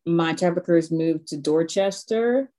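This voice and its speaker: Halting, thoughtful woman guest from Haiti. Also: on the low side, dark tone. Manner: thoughtful, halting recollection with many fillers. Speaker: podcast guest. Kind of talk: casual chat.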